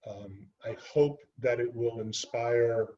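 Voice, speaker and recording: A man's voice: medium pitch, steady tone, takes it slowly, warm tone, lo-fi sound. A man giving an author talk, speaking earnestly and unhurriedly about his book, with frequent ums and uhs. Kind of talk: library author presentation.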